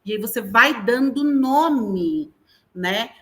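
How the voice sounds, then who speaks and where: A woman's voice: a little high, expressive, slow, a bit bright. A middle-aged woman with a Brazilian Portuguese accent, an educator talking animatedly as an interview guest and often checking in with tag questions. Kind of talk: conversational interview talk.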